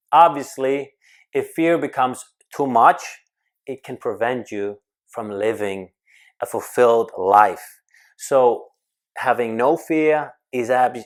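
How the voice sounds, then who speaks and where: A public speaking coach with a mid-range voice addresses the camera, offering advice. He's emphatic and lively, speeding up in quick bursts and then abruptly slowing down.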